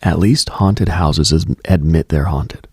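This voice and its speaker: A man hosting a late-night mystical radio show, delivering a scripted monologue in a hushed, contemplative, brooding manner. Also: very deep voice, measured pace, slightly rough, no echo, clean studio sound.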